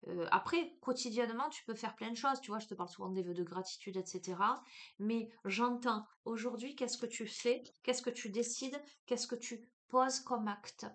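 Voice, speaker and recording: A woman with a Marseille accent giving a spiritual card reading, talking casually and warmly to the listener with lots of fillers and restarts. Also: a little high, moderate pace. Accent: Marseille French. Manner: chatty, hesitant, many fillers, addresses listener as tu. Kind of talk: casual spiritual guidance talk.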